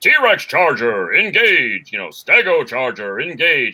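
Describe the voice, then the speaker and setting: A man performs a put-on character voice. He delivers it at a fairly slow pace. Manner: heroic, commanding.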